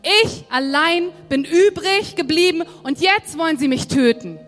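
A woman's voice: very high voice, animated, unhurried, a bit bright, heavily acted. A woman voicing a weary male prophet who pleads and feels abandoned, in a sermon. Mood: aggrieved. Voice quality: pleading, emotional. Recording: long hall reverb, faint music.

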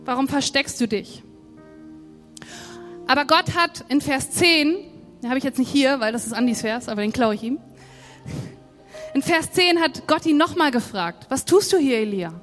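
Brief: high-pitched woman preacher, chatty sermon, long hall echo. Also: normal speed, long pauses, fairly bright tone. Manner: conversational, addresses the congregation directly. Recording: long hall reverb, faint music.

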